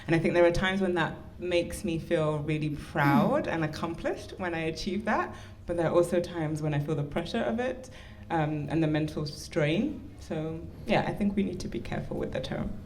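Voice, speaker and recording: Excited British-raised woman, mental health counselor. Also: low voice, normal speed, slight background noise. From United Kingdom. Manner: warm, excited, thoughtful. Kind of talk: live podcast panel discussion.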